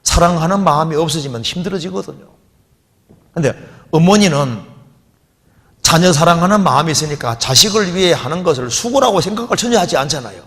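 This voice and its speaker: Korean pastor preaching in a reverberant space. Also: male voice, on the high side, animated, a little fast, fairly bright tone. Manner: asks rhetorical questions and quotes scripture. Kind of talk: sermon answering a question.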